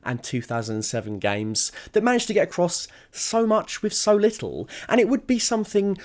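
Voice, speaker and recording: A man's voice: high-pitched, very animated, moderate pace, a little mellow. A young man giving scripted opinion narration as a video essayist, conversational, opinionated and emphatic.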